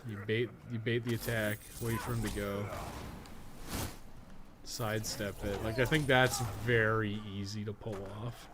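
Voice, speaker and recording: A man's voice: lowish voice, flat delivery, a little slow. A man giving casual, rambling gameplay commentary with plenty of swearing and crude joking. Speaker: podcast co-host streaming a video game. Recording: clearly noisy background.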